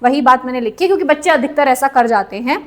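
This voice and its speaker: A woman's voice: high-pitched, quick pace, a bit bright. A woman teaching an online class, mixing Hindi and English and calling on students by name.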